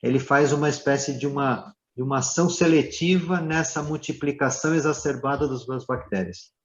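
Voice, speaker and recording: A man speaking as a dentist guest, explaining slowly with many fillers and tag questions. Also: mid-range voice, dull audio. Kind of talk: live Q&A explanation.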